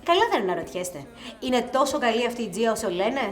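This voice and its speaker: An actress playing a pushy, jealous club singer who complains and needles in a TV drama. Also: female voice, a little high, animated, echoey room, natural voice. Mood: complaining. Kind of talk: TV drama acting.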